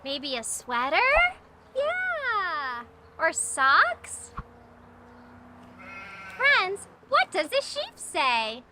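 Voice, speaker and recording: A woman hosting a children's lesson, speaking to toddlers in simple phrases with encouraging prompts and pauses for answers. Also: very high-pitched, huge pitch swings, noisy background. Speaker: children's educational show host. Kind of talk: toddler lesson, talking directly to young children. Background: music.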